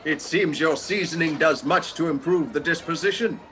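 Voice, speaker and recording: Guy doing an anxious old miser gent, kinda high voice, formal and hesitant, radio play. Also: normal speed, fairly bright tone, soft background music, lightly acted. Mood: curious, polite. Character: humbled, anxious old Victorian gentleman miser. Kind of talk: radio play acting of a Victorian tale.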